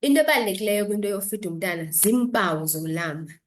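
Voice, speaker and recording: A woman doctor with a South African accent speaks fast in a mid-range voice, giving health advice as an interview guest. She's instructive and switches between two languages, with slight background noise.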